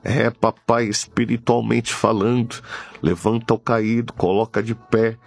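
A man leading a fervent late-night prayer, slow and pleading, repeating his invocations. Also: lowish voice, little pitch movement, vocal fry, darkish tone, breathy edge. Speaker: prayer leader.

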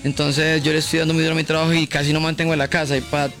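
A man's voice: on the high side, little pitch movement, rapid-fire, a bit bright, soft background music. A man from Colombia, a singer guest, chatting casually and openly, often restarting his sentences. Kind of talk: casual chat.

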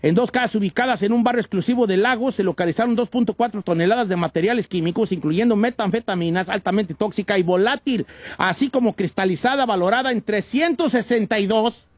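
A man's voice: high voice, fast, dry recording. A man voicing a folksy old Mexican ranchero with a Mexican accent, rambling and joking through comic radio news, stumbling over words. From Michoacán, Mexico. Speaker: co-host presenting comic news.

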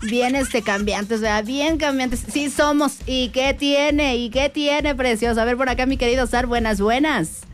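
A woman's voice: sits high, steady tone, a little slow, hardly any pauses, slight background noise. A woman with a northern Mexican Spanish accent hosting a chatty, effusive live radio show, reading listener messages and using affectionate diminutives. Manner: effusive, uses pet names and diminutives. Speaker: radio host. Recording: radio broadcast with music underneath.

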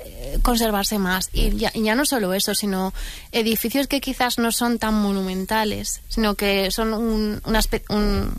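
Author lady being interviewed, explains stuff slowly with lots of eh and mm. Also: medium pitch. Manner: deliberate, explanatory, with drawn-out fillers. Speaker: author and guest. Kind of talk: interview answers.

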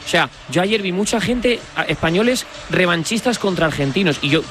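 A man's voice: sits high, expressive, a little fast, a bit bright, a little hiss or hum. A man hosting a sports radio show, bantering with his co-host and steering the conversation. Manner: easygoing, bantering, steers the talk. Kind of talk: casual radio chat.

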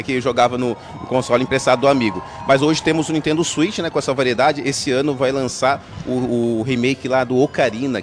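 A man from Brazil, a game store owner, chatting in an upbeat, salesy way as a guest at an outdoor festival. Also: medium pitch. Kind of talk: casual promotional interview.

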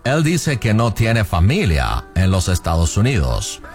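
A man playing an American police officer who speaks halting, broken Spanish with English fillers. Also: fairly low pitch, wildly swooping pitch, soft background music, full character voice. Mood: officious.

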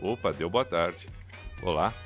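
A Brazilian man with a low voice hosts a live radio broadcast, calling out what he sees and urging things along with rising excitement. Faint music plays in the background. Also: unhurried. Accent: Brazilian Portuguese. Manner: excitable, urging, running play-by-play. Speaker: radio host. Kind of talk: live commentary chat.

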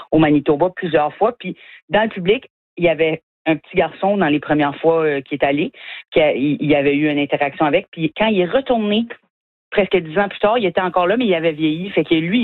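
A chatty Acadian woman speaks over a thin, tinny phone line with no room sound at all. She laughs easily and often stumbles over her words as she answers questions. Her voice sits at an ordinary middle pitch. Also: dry recording. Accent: Acadian French. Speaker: comedian guest. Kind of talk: radio phone interview.

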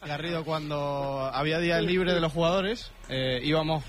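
A man's voice: on the high side, steady tone, moderate pace, over a noisy crowd. A man, a sports reporter, telling stories from a work trip on a radio show. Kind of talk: radio chat, anecdote.

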